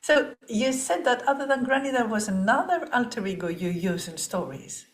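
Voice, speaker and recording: A woman's voice: on the high side, lively intonation, normal speed. A woman interviewing a guest as podcast host, in a casual conversational style.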